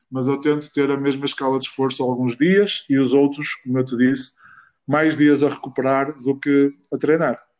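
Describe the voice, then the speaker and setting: Speaking with a European Portuguese accent, a man keeps a moderate pace. His pitch is fairly high and his intonation monotone and flat. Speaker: fitness coach. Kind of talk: casual chat.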